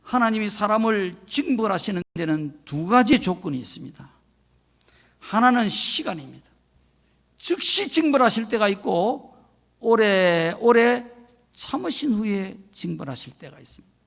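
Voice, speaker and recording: Older preacher with a high, gravelly voice. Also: male voice, big pitch swings, measured pace, a bit bright. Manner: solemn warning, emphatic lists. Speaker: retired senior pastor. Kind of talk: sermon.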